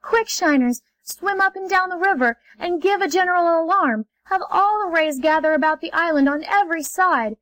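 A woman's voice: very high-pitched, normal speed, hardly any pauses, fairly bright tone, no room sound, pitched above the performer's own voice, rough recording. A woman voicing a chorus of brave little stingrays, eager and defiant, in a storybook reading. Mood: urgent.

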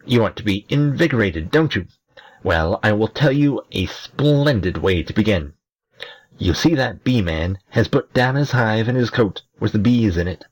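A man voicing a tiny, lively male imp who teases and mocks, with a husky voice. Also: fairly low pitch, moderate pace, pitched above the performer's own voice, low-quality recording. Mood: mocking. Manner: teasing, mocking.

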